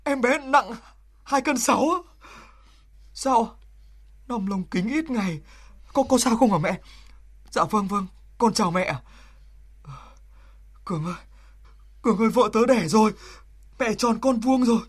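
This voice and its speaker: A man's voice: high-pitched, lively intonation, a little slow, long pauses, breathy edge, full character voice. An actor playing a young soldier and new father who talks urgently and then tenderly in a TV drama. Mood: relieved. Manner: bossy and urgent, later soft and emotional. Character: young male soldier helping deliver a baby, flustered then tender. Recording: music playing behind. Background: music.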